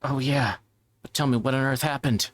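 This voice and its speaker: Man voicing a hesitant teenage boy, pitched up. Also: fairly even intonation, moderate pace, no room sound, close to an everyday voice. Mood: flustered. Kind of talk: visual novel character read aloud. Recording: music behind the voice.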